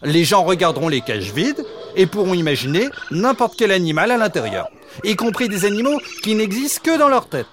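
A man's voice: high-pitched, big pitch swings, fairly quick. A man doing an earnest circus clown. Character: repentant circus clown, middle-aged man.

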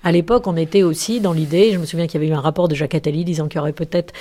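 A woman's voice: low-pitched, fairly even intonation, very fast, mellow. A woman speaking as a guest in a radio panel discussion, firmly qualifying her points.

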